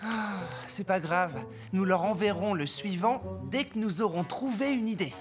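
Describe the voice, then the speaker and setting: A woman voicing a gentle, positive character in a children's cartoon, speaking in a kindly, sincere way. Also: medium pitch, moderate pace, close to an everyday voice. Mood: reassuring. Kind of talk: dubbed children's cartoon acting. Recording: music under the voice.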